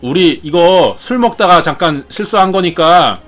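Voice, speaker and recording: A man's voice: high-pitched, animated, fairly bright tone, soft background music. A man voicing an embarrassed goddess of beauty who hurriedly swears her lover to secrecy. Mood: flustered. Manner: flustered, hurried and bossy.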